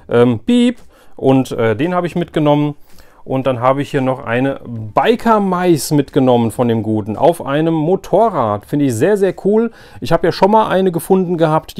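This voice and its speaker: A man's voice: on the high side, animated, normal speed, a little mellow. A man talking casually and informally to his viewers as the host of a haul vlog, chatty and direct. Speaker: YouTube host, flea market collector.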